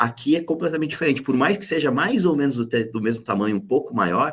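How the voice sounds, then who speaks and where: The recording is very clean, and its background is silent. A man talks with lively intonation. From Rio Grande do Sul, Brazil (northeast region). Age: 40s. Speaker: university professor. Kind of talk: radio interview. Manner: hesitant, repeats words.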